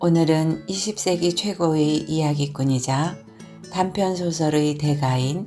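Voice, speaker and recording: The speech moves at a very slow pace, with music playing in the background. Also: woman. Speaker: audiobook reader. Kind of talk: audiobook reading of short stories. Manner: bright, lively.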